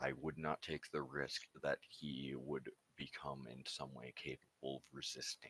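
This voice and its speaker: Using a put-on, robotic character voice, a man speaks at a fairly slow pace. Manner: mechanical, monotone.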